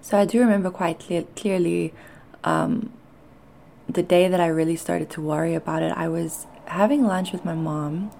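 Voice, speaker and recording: Mellow, creaky South African-Canadian woman. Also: on the low side, fairly even intonation, normal speed, slight background noise. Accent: mixed South African and Canadian. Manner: candid, conversational, hesitant. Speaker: podcast host. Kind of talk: personal confessional talk to listeners.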